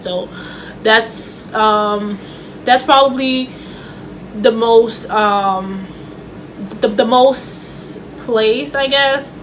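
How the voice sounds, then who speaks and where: A woman's voice: medium pitch, fairly bright tone, low-quality recording. Chatty woman vlogger with a stutter. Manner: stutters, with repeated words and restarts; chatty and loose, with many fillers. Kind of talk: casual talk to camera. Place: home room with air conditioner running. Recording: faint air conditioner hum.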